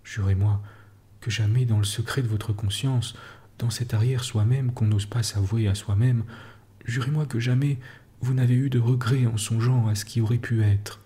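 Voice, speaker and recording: A man's voice: medium pitch, fairly even intonation, normal speed, dark tone, lightly acted. A man voicing an aging man in his sixties who pleads with bitter urgency, pressing hard on each syllable, at times in a whisper. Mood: urgent. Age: 60s.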